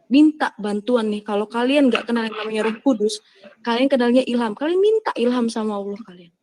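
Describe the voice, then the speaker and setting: A woman's voice: a little high, expressive, a little fast, a crowd in the background. A woman, a Christian apologist preaching to her audience in an emphatic, scolding way full of rhetorical questions. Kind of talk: impassioned preaching in a live discussion.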